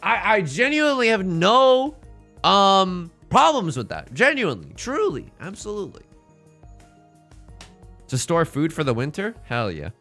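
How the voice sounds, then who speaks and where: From his home stream, a young man born in China and raised in the US, a native Mandarin speaker, gives casual commentary while gaming. Though exhausted, he's quick, joking and profane with chat, his bright voice sitting high with vocal fry and leaping around, faint game music below.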